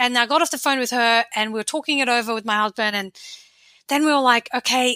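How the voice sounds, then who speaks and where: Very fast speech in a bright, sharp tone with ordinary pitch variation. The sound is dry and close, with no echo. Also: woman, high pitch for a woman. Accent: Australian. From Australia. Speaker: author and journalist. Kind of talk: casual interview chat.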